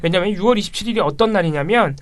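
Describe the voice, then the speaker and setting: A man, a media monitoring activist, commenting on news in a wry, relaxed way. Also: sits high, racing. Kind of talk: casual chat.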